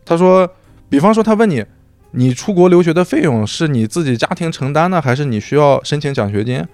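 A man's voice: fairly high pitch, brisk, smooth, no echo, faint music behind. A man from Xinjiang, China, a podcast guest telling a story in casual chat and acting out quoted dialogue. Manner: animated, acts out quoted dialogue.

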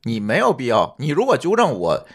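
A middle-aged man co-hosting a relaxed podcast conversation. His pitch swings widely and he talks quickly. He states his opinions emphatically and moves the talk along. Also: husky. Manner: emphatic, opinionated, steers the topic. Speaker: podcast co-host. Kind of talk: casual chat.

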